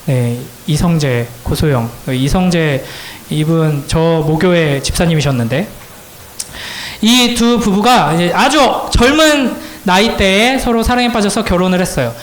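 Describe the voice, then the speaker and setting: A man with a high voice preaches to teenagers in a church hall, and the sound carries an echo. He tells a story in a conversational way, then builds into fervent preaching. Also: lively intonation, unhurried. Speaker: youth pastor. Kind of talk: sermon to high school students.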